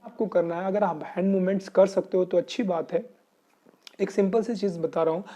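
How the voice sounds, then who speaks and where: Mellow-voiced Indian male English teacher. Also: high-pitched, lo-fi sound. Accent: Indian Hindi-speaking. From Uttar Pradesh, India. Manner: mixes Hindi with English phrases, asks and answers his own questions. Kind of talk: explanatory Hinglish lesson.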